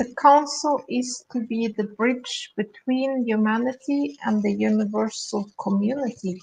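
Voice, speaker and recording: With a Norwegian accent, a woman speaks at a fairly slow pace in a somewhat breathy, fairly high-pitched voice. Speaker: spiritual council representative. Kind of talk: reading a prepared statement. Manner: formal.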